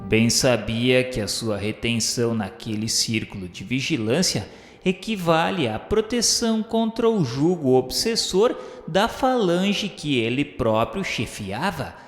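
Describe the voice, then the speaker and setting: A man playing a solemn narrator in a scripted radio drama, speaking in a formal, measured way. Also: medium pitch, lively intonation, lightly acted. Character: solemn male narrator recalling the spirit world. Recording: echoey long reverb, music bed.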